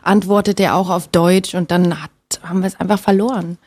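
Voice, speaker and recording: A woman's voice: fairly low pitch, steady tone, fairly quick, a little mellow, no room sound. A woman in her thirties from Germany, a singer and actress, chatting openly as a radio guest with many fillers and easy laughter. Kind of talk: casual radio interview.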